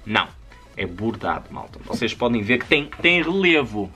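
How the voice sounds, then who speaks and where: A man's voice: mid-range voice, sing-song, normal speed, pushed and bright, soft background music. A man in his twenties with a European Portuguese accent, chatting casually and animatedly to his viewers in informal, slangy speech. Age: 20s. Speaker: YouTuber presenting merchandise. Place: small indoor home studio room.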